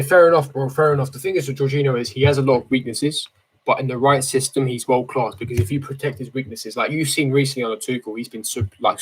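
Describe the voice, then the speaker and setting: Late-teen male, medium pitch, casual streamer chat, slangy, opinionated, repetitive emphasis, close desk mic. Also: husky, poor audio. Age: 18, late teens. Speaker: football fan streamer. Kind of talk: casual livestream chat, reading and answering viewer comments. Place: small bedroom, indoors. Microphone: desk microphone close in front.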